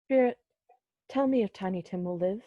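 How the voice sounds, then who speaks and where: A woman's voice: mid-range voice, moderate pace, warm tone, no echo, highs cut off, close to an everyday voice. A woman playing a humbled, pleading old miser with an earnest, old-fashioned formal manner, in a storybook reading. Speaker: amateur reader, library staff. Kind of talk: dramatic reading of a classic story.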